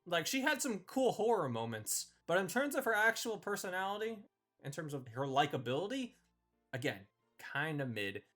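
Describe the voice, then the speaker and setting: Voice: medium pitch, big pitch swings, normal speed, fairly bright tone, faint music behind. A video host giving casual, opinionated review commentary in an informal, emphatic and slangy manner. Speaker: video host ranking visual novel characters.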